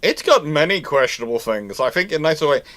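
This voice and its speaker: A man's voice: fairly high pitch, big pitch swings, fast talker, fairly bright tone. Man hosting a rambling livestream Q&A. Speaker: host of a live naval history Q&A. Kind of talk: casual livestream chat answering questions.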